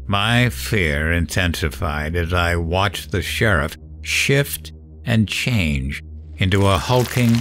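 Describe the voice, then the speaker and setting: A man's voice: on the low side, a bit bright, a little hiss or hum. An actor playing a terrified middle-aged late-night radio host, narrating his horror ordeal in a dramatic first-person audio drama style.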